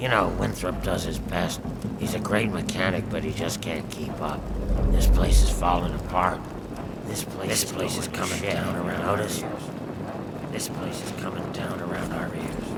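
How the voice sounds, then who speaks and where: Over loud background noise, a man uses a put-on character voice at a very deep, low pitch and a moderate pace. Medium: game stream. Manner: weary, guarded.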